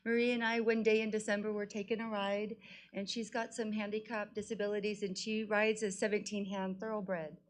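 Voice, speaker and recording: A woman's voice: mid-range voice, little pitch movement, a little fast. A woman giving informal, gushing public remarks at a meeting, laughing often as she speaks. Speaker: resident presenting a community project. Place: council meeting room.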